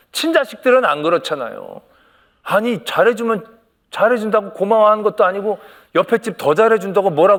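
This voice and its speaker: A man's voice: high-pitched, fairly bright tone. A male senior pastor giving a Sunday sermon, telling a story and acting out quoted lines with humor and rising emphasis. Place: church sanctuary.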